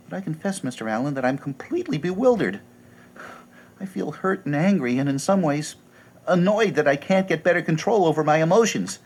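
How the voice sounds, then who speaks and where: An actor playing a fussy, formal young man who speaks in precise, fretful sentences about being hurt in love. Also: on the high side.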